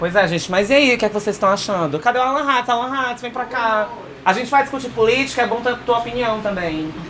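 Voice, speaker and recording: With noticeable background noise behind her, a woman talks at a very fast pace in an animated tone, her fairly high pitch moving with lively intonation. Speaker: podcast co-host. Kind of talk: casual chat.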